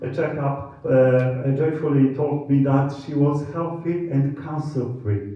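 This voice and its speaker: A man speaks with ordinary pitch variation in a room with audible echo. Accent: Polish. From Poland. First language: Polish. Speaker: doctor and naturopath. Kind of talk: lecture. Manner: halting.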